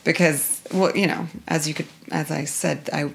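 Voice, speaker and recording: A woman guest talking casually about her life in a kitchen, her voice a bit raspy, chatty and reflective with many fillers. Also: deep voice, fairly even intonation, moderate pace. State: slightly raspy voice. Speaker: guest, actress. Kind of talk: casual podcast chat.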